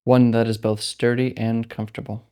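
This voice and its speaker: A man leading a guided meditation as a teacher, speaking calmly and unhurriedly with long pauses. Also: mid-range voice, clear, resonant tone.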